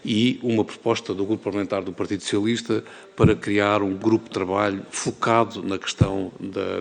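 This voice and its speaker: Middle-aged portuguese guy, low gravelly voice, lots of "eh"s, hall reverb. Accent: European Portuguese. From Algarve, Portugal. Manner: measured, with many filler "eh"s and restarts. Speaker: member of parliament chairing a hearing. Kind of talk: formal parliamentary address. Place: parliament committee room.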